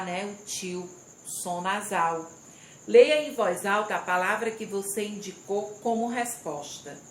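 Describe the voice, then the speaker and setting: Female schoolteacher, patient and slow, breaks words into syllables; roomy echo, faint insects. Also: mid-range voice, fairly bright tone. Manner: slow, step-by-step explaining, reading aloud and stressing syllables. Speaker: primary school teacher. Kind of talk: recorded remote class lesson. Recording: echoey room with faint insect noise.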